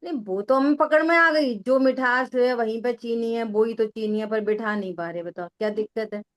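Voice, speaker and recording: A woman's voice: a little high, normal speed, dull audio. A middle-aged woman teaching a spiritual discussion, answering questions patiently with everyday examples and repeated phrasing.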